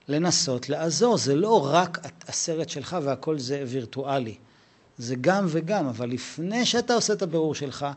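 A middle-aged man teaching Torah to a live audience, animated and conversational, acting out dialogues with a raised voice. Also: fairly high pitch, slightly rough.

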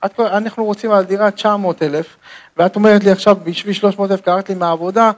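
A man's voice: sits high, steady tone, dull audio, pitched above the performer's own voice, close to an everyday voice. A man voicing an exasperated middle-aged husband who scolds in a raised, indignant voice.

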